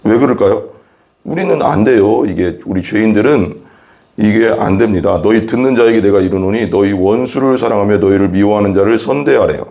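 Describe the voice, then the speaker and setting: A man's voice: fairly low pitch, brisk, dark tone, muffled recording. A man preaching a sermon as a pastor, reading Bible verses and explaining them earnestly, often repeating phrases and asking rhetorical questions.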